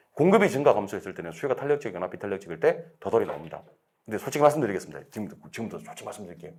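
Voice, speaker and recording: Guy teaching an exam prep class, talks fast, voice jumps all over, keeps firing questions at students. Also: lowish voice, husky. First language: Korean. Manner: animated, drills students with rapid questions. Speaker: real estate exam lecturer. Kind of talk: classroom lecture.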